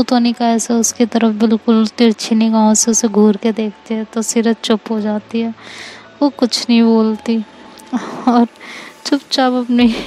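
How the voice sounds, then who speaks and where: A woman's voice: a little high, dark tone. A young woman narrating a romance story in a chatty, conversational way. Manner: chatty, conversational, with filler phrases. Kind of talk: casual spoken love-story narration.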